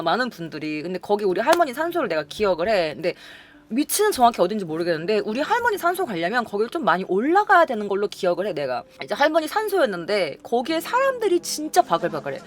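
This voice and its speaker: A young woman casually telling viewers about her dreams in a chatty, lively way. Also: fairly high pitch. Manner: chatty, lively, acts out quoted lines.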